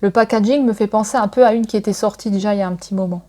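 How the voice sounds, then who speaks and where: Woman, casual makeup haul chat, mellow voice, lots of fillers. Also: mid-range voice, rapid-fire. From France. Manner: chatty, frequent "hein" and "donc voilà" fillers. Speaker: beauty vlogger.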